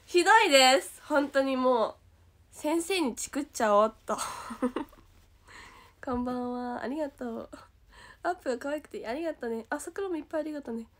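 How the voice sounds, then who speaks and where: A young woman with a Kansai accent chatting casually on a livestream, reading comments aloud, giggling often and sometimes dropping to a soft whisper. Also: high voice, moderate pace, long pauses. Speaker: idol livestream host.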